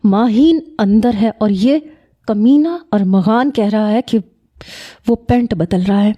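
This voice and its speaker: A woman voicing a jealous, hot-tempered young male cousin in a read-aloud story, raising her voice to shout threats. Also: mid-range voice, lo-fi sound, close to an everyday voice. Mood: furious. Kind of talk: storybook reading.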